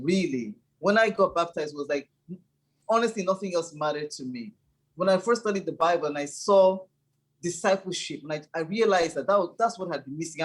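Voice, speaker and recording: A middle-aged Nigerian woman, a church leader who used to be a lawyer, earnestly recalls her early years while answering an interview question. Her lowish voice is slightly rough, the recording is rough, and she repeats words enthusiastically as she builds up.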